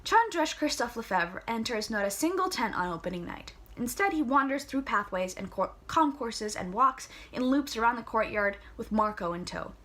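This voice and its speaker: A woman's voice: fairly high pitch, fairly bright tone. A young woman reading a novel aloud, casual and enthusiastic, with chatty asides and small stumbles. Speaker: audiobook reader.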